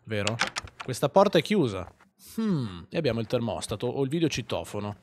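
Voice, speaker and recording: A man's voice: medium pitch, slight background noise. A man streaming a game live, commenting sarcastically, swearing and mocking what he plays.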